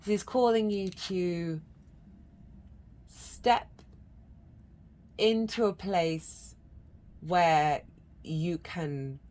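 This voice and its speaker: A woman's voice: fairly low pitch, extremely slow, long pauses, a little mellow. A woman giving a channelled tarot reading, congested from a cold. She talks in an earnest, meandering way with many restarts and breaks into chanted syllables. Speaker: tarot reader.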